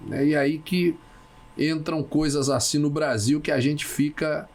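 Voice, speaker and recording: A man hosting a casual talk show, who speaks haltingly and repeats words as he searches for them. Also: on the high side, fairly even intonation, darkish tone.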